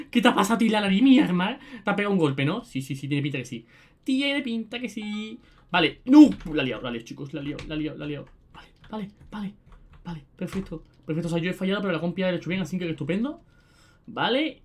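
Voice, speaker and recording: An excitable young woman with a Spain Spanish accent narrates her gameplay, her voice swinging widely from low mutters to shrill shrieks. She chatters fast and repeats words in bursts as the game goes on. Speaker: gaming video creator. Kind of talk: let's-play commentary.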